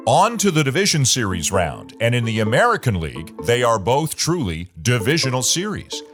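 A man hosting an interview, asking long, measured questions. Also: mid-range voice, very animated, over music. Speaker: podcast host and baseball play-by-play announcer.

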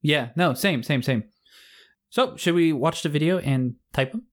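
Lively young man co-hosting. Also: measured pace. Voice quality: fairly high-pitched voice. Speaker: podcast co-host. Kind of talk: casual chat.

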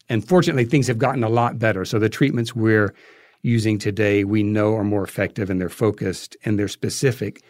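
A man's voice: lowish voice, darkish tone, no room sound, studio quality. A man speaking as an interview guest, reasoning thoughtfully and hesitantly in a conversational way. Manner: hesitant, reflective, hedging as he reasons.

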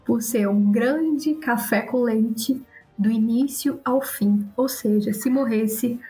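A woman's voice: fairly high pitch, takes it slowly, warm tone, soft background music, poor audio. A woman guest on a podcast, friendly and chatty with a teasing edge. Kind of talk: casual podcast chat.

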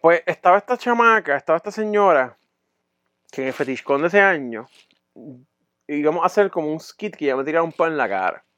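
A man telling a crude story in a podcast chat, profane and animated, acting out voices and sounds. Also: a little high, a little fast, dry recording, muffled recording.

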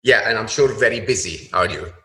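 A man's voice: lowish voice, expressive, fairly quick, sharp tone, breathy edge. A man hosting an interview podcast, moving between scripted introduction and conversational questions. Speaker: podcast host.

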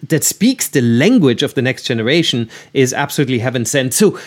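A man's voice: medium pitch, animated, brisk, darkish tone. A man from Austria hosting an interview podcast, enthusiastic, with many fillers and restarts. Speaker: podcast host.

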